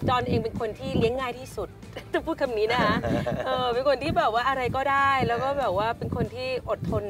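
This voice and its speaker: Middle-aged woman, mother on a family travel show, casual chat, lakeside outdoors, loud music underneath. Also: on the high side, steady tone, quick pace.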